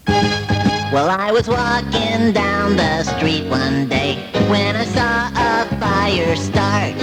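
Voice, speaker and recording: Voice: mid-range voice, rough recording. A performer voicing a cheerful, helpful male puppet who talks to children and sings a safety song. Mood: earnest. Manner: earnest, upbeat, singing a safety song. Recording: loud country music behind.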